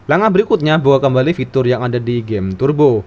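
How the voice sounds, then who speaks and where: Male tutorial narrator, mid pitch, steady instructional read, faint music underneath. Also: fast, highs cut off. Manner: steady, step-by-step instructional reading. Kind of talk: scripted tutorial voice-over. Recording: voice-over with faint background music.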